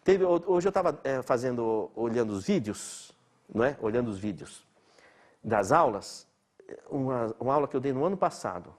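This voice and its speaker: A man's voice: medium pitch, lively intonation, moderate pace, a little mellow. A middle-aged man from Brazil giving a chatty, informal lecture, laughing often and asking his listeners rhetorical questions. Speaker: doctor lecturing.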